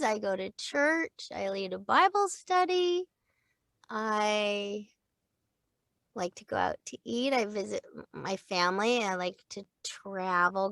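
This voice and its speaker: An older woman, a voice actor, chatting about her work in an animated, laughing way from a recording booth. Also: mid-range voice, creaky, no room sound. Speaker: voice actor guest. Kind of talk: casual interview chat. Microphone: studio microphone.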